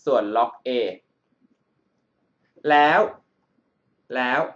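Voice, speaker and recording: Speaking very slowly in a somewhat bright voice, a male math tutor narrates a screencast of an exam problem, with lo-fi sound. He gives himself a big-brother nickname and pauses often to check in with the student.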